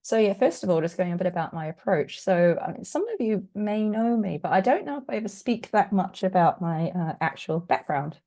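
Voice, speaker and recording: A woman from New Zealand with a husky, croaky voice, still getting over an illness, presenting an online workshop in a chatty, self-deprecating way with plenty of fillers. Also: fairly low pitch, lively intonation, brisk, few pauses, warm tone. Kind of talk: casual online workshop talk. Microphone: video call.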